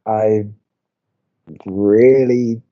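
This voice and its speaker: Low-voiced, reserved young college co-host. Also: male voice, steady tone, extremely slow, lo-fi sound. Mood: flustered, moved. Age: young adult. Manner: hesitant, dry, understated. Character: reserved, antsy young male co-host softening into love. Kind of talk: naturalistic audio romantic comedy acting.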